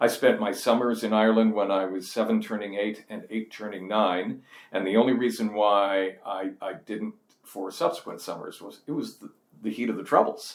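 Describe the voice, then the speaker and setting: Speaking at a moderate pace, a man with a Canadian accent, a fairly low pitch and a plain, everyday voice keeps his intonation fairly even. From Canada (Toronto), Irish parents. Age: 60s. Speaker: interviewee, son of Irish immigrants. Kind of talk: casual interview chat.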